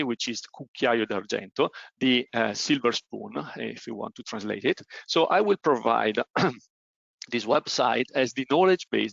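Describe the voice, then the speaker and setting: An Italian-accented man leads a technical webinar, talking through each step and filling pauses with "uh". His voice has a gravelly edge at a middling pitch. The audio is dry and a little dull, like a call mic. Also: a bit bright, dry recording. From Italy. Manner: frequent "uh" hesitations while explaining. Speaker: presenter.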